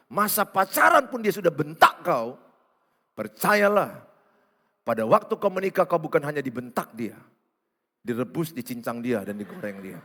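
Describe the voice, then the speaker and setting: Male pastor, high voice, playful sermon delivery, big church reverb. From Indonesia. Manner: lively, teasing, acts out quoted voices, swings between loud and hushed. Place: large church hall. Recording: long hall reverb.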